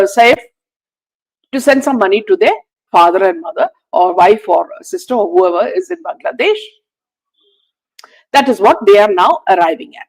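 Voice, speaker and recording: A woman's voice: on the high side, a little mellow, low-quality recording. A woman hosting a live stream, reading viewer comments and firing indignant rhetorical questions with many "uh"s and "you know"s. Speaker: host.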